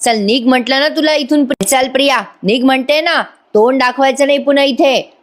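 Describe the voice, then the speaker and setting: A woman's voice: high voice, brisk, voice pushed up, close to an everyday voice. Woman doing a stern, scornful young woman. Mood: angry. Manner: scornful, commanding.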